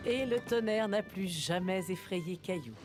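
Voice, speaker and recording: A woman narrating a children's cartoon as a gentle storybook storyteller in French. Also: medium pitch, a little slow, lightly acted. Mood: storytelling. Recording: clear music bed behind.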